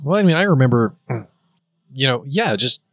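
A Canadian man talks loosely in casual podcast chat, his voice slightly husky. He backtracks and fills gaps with "you know" as he goes. The recording is dry and close. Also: mid-range voice, lively intonation, moderate pace, dry recording. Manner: rambling, many fillers and restarts. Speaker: podcast co-host.

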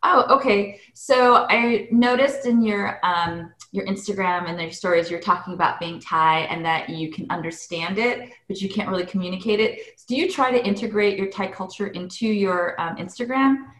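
A woman hosting an interview, asking curious questions in a casual, animated way and laughing easily. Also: medium pitch, moderate pace, hardly any pauses. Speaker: interviewer, host. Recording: echoey room.

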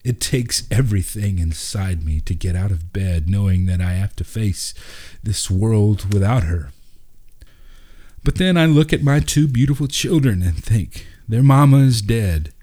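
Man reading as a low-voiced, heartfelt widowed father. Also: mellow. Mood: sorrowful. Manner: heartfelt, measured, reflective. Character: grieving young widowed father, hopeful and faithful. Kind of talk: storybook dialogue reading.

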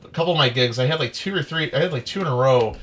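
A young man, a guitarist guest, telling stories in a rambling, animated way during a casual interview. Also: medium pitch, racing. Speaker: musician guest.

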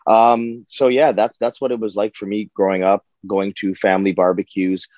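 Guy w/ lowish voice chatting like bro and man, casual guest, bit muffled audio. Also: flat delivery, normal speed, no echo. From Toronto, Canada. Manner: slangy, peppers talk with "bro" and "man". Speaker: podcast guest, chef. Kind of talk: casual conversational interview.

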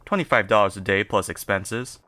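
Bright-voiced, eager delivery man. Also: fairly low pitch, a little fast, dry recording. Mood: chatty, confiding. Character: eager, gossipy 1950 telegram delivery man. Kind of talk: comedic old-time radio acting.

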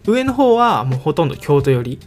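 A young man from Osaka with a Kansai accent, co-hosting a casual couple podcast in a relaxed, rambling way with lots of fillers. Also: on the high side, brisk, faint music behind. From Osaka, Japan. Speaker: podcast co-host.

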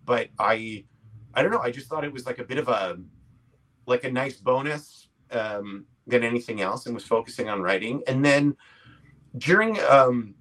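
A man's voice: mid-range voice, expressive, normal speed, a bit bright, low-quality recording. A man, a comedy writer and actor, speaking as a guest in a casual interview, rambling loosely through his story with lots of "like" and "you know".

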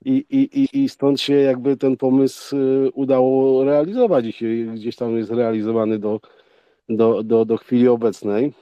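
A man giving informal remarks as a guest speaker, halting and rambling, often repeating his words. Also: medium pitch, fairly even intonation, smooth, no echo, muffled recording. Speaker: poker event co-organizer, guest speaker.

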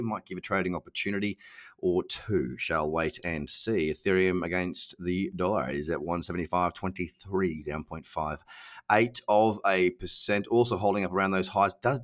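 A middle-aged Australian man hosts his podcast alone in a loose, slangy, self-mocking way. His voice is on the low side and comes out nasal and stuffy from a cold. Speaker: podcast host. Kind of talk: casual solo podcast.

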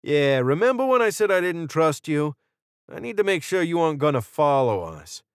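Man voicing a cocky gunman, pitched up and glib. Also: sing-song, moderate pace, clean tone, no room sound, clean studio sound. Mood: casual, wary. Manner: glib, casual, slangy, sarcastic. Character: cocky, flippant male cult gunman cutting a deal. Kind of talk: audiobook character dialogue.

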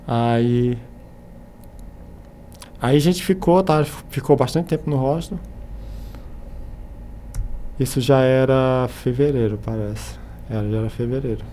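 A Brazilian man chatting casually as a podcast guest, telling anecdotes in an animated way and acting out the dialogue. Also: medium pitch, a little hiss or hum. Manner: animated retelling with acted-out dialogue.

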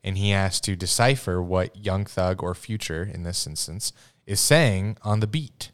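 A man's voice: low-pitched, unhurried, clear, resonant tone. A young adult man co-hosting a podcast in casual, informal chat, explaining things to listeners as he goes. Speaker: podcast co-host.

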